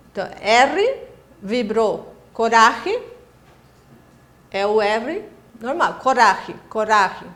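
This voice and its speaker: A Brazilian woman whose first language is Portuguese teaches a recorded Spanish lesson for distance learning, explaining pronunciation with many fillers and restarts. She has a Brazilian Portuguese accent and a mid-range, fairly bright voice.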